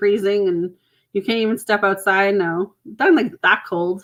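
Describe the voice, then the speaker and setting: An ordinary speaking voice from a woman with a Canadian accent, ordinary pitch variation and a fairly slow pace. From Canada. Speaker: tarot reader. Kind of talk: live stream chat. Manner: casual.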